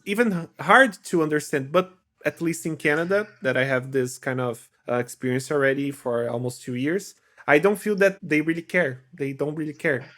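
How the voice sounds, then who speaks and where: A young man with a Brazilian Portuguese accent and a somewhat high voice hosts a casual interview. His English is friendly but hesitant, full of fillers and small slips. Portuguese is his native language. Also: normal speed, fairly bright tone. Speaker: host, interviewer.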